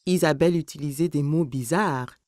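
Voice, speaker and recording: A woman narrating a children's cartoon as a storyteller, with expressive scripted delivery. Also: low voice, fairly quick, no room sound.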